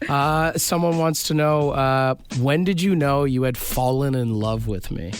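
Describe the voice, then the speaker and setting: A man's voice: mid-range voice, a little slow, a little hiss or hum. A man, hosting a radio show and teasing his guests in casual banter. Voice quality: raspy voice.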